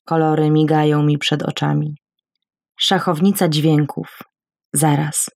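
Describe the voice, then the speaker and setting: A woman reading a first-person literary story in a quiet, measured, introspective way. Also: sits low, level tone, vocal fry, no room sound, clean studio sound. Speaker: audiobook narrator.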